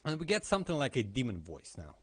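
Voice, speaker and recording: A man's voice: mid-range voice, huge pitch swings, fast talker, slightly rough. A man speaking at a conference, giving a technical lesson with explanatory commentary on live demos.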